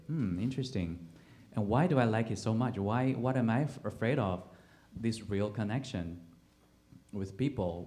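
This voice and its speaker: Low-voiced Taiwanese man, halting delivery. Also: warm tone. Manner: halting, with repeated words and searching pauses. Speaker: playwright and theater director on a panel. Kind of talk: panel discussion, spontaneous personal account.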